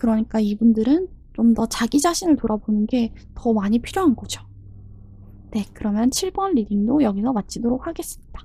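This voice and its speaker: Her fairly high voice has a dark, mellow tone as the woman talks at a fairly quick pace with lively intonation. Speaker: tarot reader. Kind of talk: tarot reading monologue. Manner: fast; halting.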